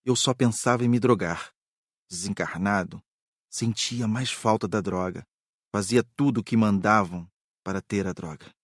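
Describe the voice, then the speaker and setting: Audiobook role: male actor as a recovered addict spirit, low voice, dry close sound, measured confessional telling. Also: dry recording, lightly acted. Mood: regretful. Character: reformed male drug addict spirit recounting his downfall. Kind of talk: dramatized audiobook dialogue.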